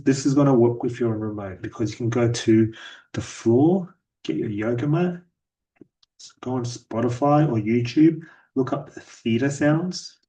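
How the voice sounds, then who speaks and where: A man talking through his day in a vlog, his delivery flat and a little robotic. His voice sits at an ordinary middle pitch and sounds slightly distant from the microphone. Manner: self-described monotone, robotic delivery. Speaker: sales rep vlogger. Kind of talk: daily progress vlog. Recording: voice a bit distant from mic.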